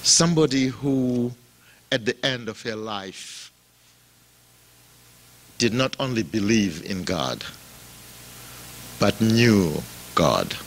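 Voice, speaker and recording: A man from Zimbabwe preaching a sermon in a slow, emphatic style, his voice rising and dropping for effect. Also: fairly low pitch, lively intonation, slight background noise.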